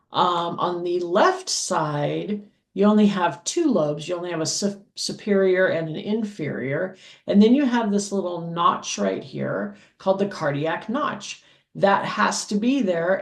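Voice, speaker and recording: A woman with a deep voice for a woman, teaching anatomy in a patient lecture style, checking in with "okay?" and filling pauses with "um". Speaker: anatomy instructor. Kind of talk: slow explanatory lecture over diagrams.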